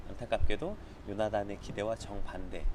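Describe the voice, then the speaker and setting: A man's voice: on the low side, steady tone, brisk. Man teaching scripture over traffic noise. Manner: conversational teaching with frequent filler words. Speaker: Bible study leader. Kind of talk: live morning Bible study, reading scripture and explaining.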